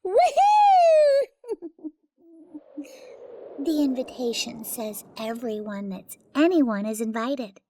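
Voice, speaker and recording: A woman voicing a cruel, sneering bully from Cinderella's stepfamily in an animated fairytale, taunting with drawn-out insults. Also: sits high, very noisy, heavily acted. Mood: gloating, mocking. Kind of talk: animated fairytale storybook acting.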